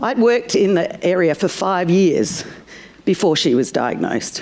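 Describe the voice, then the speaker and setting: A woman of medium pitch speaks with an Australian accent. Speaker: allied health clinician and session facilitator. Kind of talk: conference presentation. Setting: conference room with live audience. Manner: casual.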